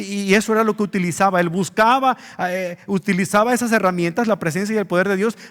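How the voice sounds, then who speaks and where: A male pastor preaches an earnest sermon, pitched high for a man. He pushes his key words upward for emphasis. His voice carries through the long reverb of a church.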